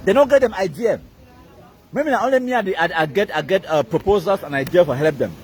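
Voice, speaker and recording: A man's voice: sits high, lively intonation, a little fast. A Cameroonian man with a Cameroonian accent, giving an emphatic, repetitive live-stream rant that mixes pidgin and English.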